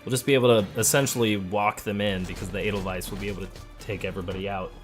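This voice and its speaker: Male let's play host, lowish voice, conversational and thinking aloud, light music behind. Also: fairly even intonation, quick pace. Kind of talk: casual game commentary. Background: game music.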